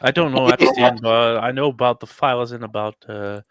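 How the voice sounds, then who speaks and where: Male, Dutch. Average pitch, casual, restarts often, dry sound. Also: fairly even intonation, a bit bright, no echo. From Belgium. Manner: halting, repeats and restarts words. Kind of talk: casual podcast chat.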